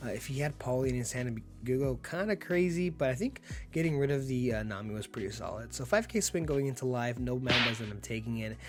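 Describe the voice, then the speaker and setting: A man getting over being sick, with a slightly hoarse voice, giving upbeat, laid-back play-by-play commentary on a card game and laughing often. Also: mid-range voice, animated, quick pace, few pauses, faint music behind.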